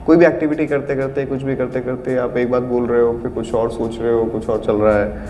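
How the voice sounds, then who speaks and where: A man leads an acting lesson in a studio, talking students through scripts at an even, middle pitch. He explains patiently and acts out sample lines himself, and his voice carries a long reverberant tail from the room. A faint hum of background noise sits underneath. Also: a little fast. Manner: explains patiently, demonstrates lines with shifting volume and tone. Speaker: acting teacher. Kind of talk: acting class instruction.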